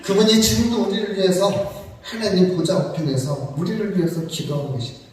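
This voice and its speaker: A man's voice: sits high, brisk, darkish tone. A man preaching a sermon, talking to the congregation conversationally with joking asides and rhetorical questions. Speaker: pastor. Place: church sanctuary. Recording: echoey church hall from far off.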